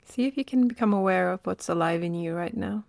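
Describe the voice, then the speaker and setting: Lady doing a guided meditation, gentle and unhurried, lots of vocal fry, super dry sound. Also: on the low side, dry recording. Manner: slow, gentle, with long pauses.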